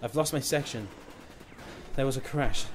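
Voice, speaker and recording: A man's voice: mid-range voice, moderate pace, lightly acted. A man playing a curt, strained lance corporal in an audio drama, terse and commanding. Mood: grim. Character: curt, strained male soldier, sole survivor of his squad. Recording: clear background noise, amateur audio drama.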